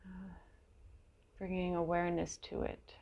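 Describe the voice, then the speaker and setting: A woman leading a guided meditation in a gentle, unhurried way, leaving long pauses between short phrases, with a creaky voice. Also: lowish voice, monotone, dull audio. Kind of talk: guided meditation, slow and soothing.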